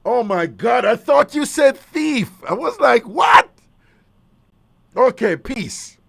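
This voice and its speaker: Very high-pitched, gravelly and fairly bright with a breathy edge, his voice moves slowly through big pitch swings. This Jamaican-accented radio host takes live calls, teasing the callers and playfully repeating what they answer.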